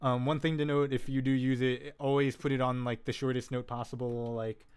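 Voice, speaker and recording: A man's voice: mid-range voice, flat delivery, a little fast, a little mellow, smooth. Laid-back man rambling through a tutorial. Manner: rambling, self-correcting, lots of "um" and "like"; laid-back, jokey asides. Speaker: live-stream host teaching vocal synth tuning. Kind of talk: casual technical walkthrough.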